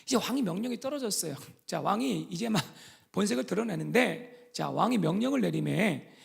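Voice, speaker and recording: A middle-aged man preaching a church sermon, dropping to hushed asides and then rising to loud, emphatic repetition, with English words mixed into his talk. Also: high voice, animated, fairly quick, creaky, slightly rough. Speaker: pastor. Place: church sanctuary.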